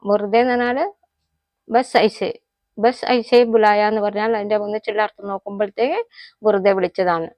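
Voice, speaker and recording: A woman with a Malayali accent, a native Malayalam speaker, teaching everyday Hindi phrases in a casual lesson, explaining them slowly and repeating each example. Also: medium pitch, steady tone, darkish tone, no echo. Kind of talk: casual spoken-language lesson.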